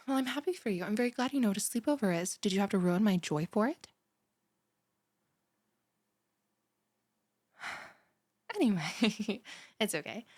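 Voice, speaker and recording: A woman's voice: mid-range voice, a little mellow, no room sound, studio quality, lightly acted. A young woman playing a bubbly, ditzy, easily offended student who gushes and rambles in a one-sided audio roleplay. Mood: miffed. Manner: gushing, rambling, dramatic gasps and sighs.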